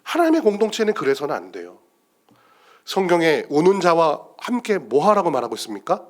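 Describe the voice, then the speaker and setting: A male pastor giving a sermon in a church, emphatic and swinging between loud declarations and hushed asides. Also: fairly high pitch, wildly swooping pitch, brisk.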